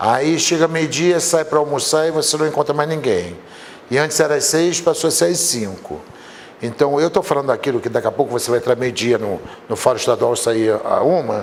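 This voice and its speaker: A fairly high-pitched man at a fairly quick pace, with noticeable background noise. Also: ordinary pitch variation. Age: 60s. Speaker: TV interviewer and lawyer. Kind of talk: TV interview.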